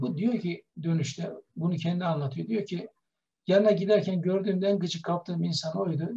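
A man with a dark, mellow tone and a high pitch speaks at a moderate pace. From Turkey. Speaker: Islamic studies scholar; guest. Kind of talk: interview storytelling about hadith. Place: home room. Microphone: video call.

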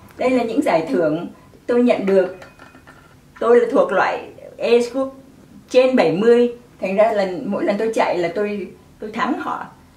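Lively intonation carries speech at a moderate pace. Long, frequent pauses are heard, along with audible room echo. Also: woman. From northern Vietnam, raised in Saigon. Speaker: pharmacist and marathon runner; interviewee. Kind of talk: personal testimony. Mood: calm, reflective.

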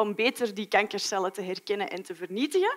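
The background stays quiet. Against it, a woman speaks with lively intonation. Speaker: scientist lecturer. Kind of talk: lecture. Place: stage. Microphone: headset.

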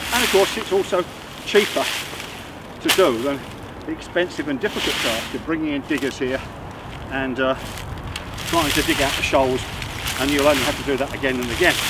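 The speech comes at a fairly quick pace, with a dry sound with no echo and loud background noise behind it. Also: man, ordinary pitch variation. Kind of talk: explanatory commentary while working. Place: waterside.

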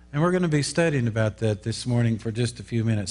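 A man's voice with ordinary pitch variation. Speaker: preacher. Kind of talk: sermon. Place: church. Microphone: podium.

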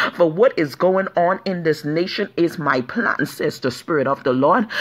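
A woman speaks in an intense tone at a fairly low pitch, with lively intonation and a moderate pace. Noticeable background noise runs behind her. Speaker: prophetess leading prayer. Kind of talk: fervent prophetic prayer and declaration, with tongues and repeated hallelujahs. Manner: intense, impassioned, rhythmic repetition; pronouncing prophecy in a commanding voice as the Lord, then crying out in praise.

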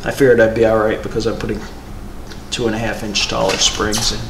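A man's fairly even intonation amid noticeable background noise. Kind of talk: informal show-and-tell explanation. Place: garage. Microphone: camera far.

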